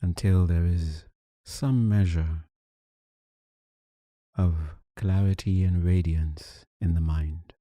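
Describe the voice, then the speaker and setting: A man leading a guided meditation, giving soothing, unhurried instructions with long pauses between phrases. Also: low voice, fairly even intonation, mellow, dry recording. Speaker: meditation teacher.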